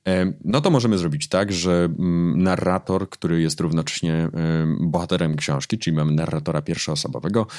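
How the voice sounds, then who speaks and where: A man, a book editor, explaining his craft thoughtfully in an interview, pausing often with fillers. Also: deep voice, fairly even intonation, a little mellow, no echo, clean studio sound. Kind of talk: interview conversation.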